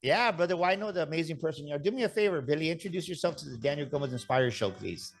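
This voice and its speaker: A man hosting a motivational podcast, energetic and urging listeners to act. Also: fairly high pitch, racing. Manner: energetic, hyped-up delivery with repeated calls to action. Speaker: podcast host.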